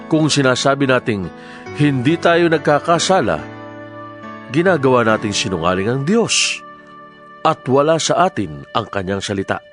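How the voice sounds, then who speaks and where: A man with a Filipino accent giving a solemn, measured, declamatory dramatized reading of scripture as a Bible narrator. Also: medium pitch, expressive. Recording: music bed under the voice. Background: background music.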